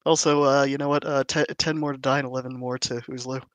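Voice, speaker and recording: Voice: medium pitch, flat delivery, fast talker, dry recording. A tabletop role-playing game player talking casually across the table.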